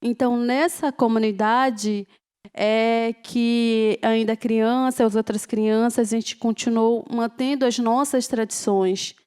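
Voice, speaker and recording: A woman from a Ticuna village in the Brazilian Amazon, whose first language is Ticuna, speaking slowly and haltingly on a discussion panel. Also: a little high, fairly even intonation, dark tone, smooth. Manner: slow, halting, many pauses and fillers.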